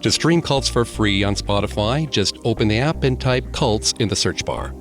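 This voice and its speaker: A man narrates a true-crime podcast in a low, steady, grave voice. His delivery is measured and scripted, and faint music plays beneath him. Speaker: podcast co-host.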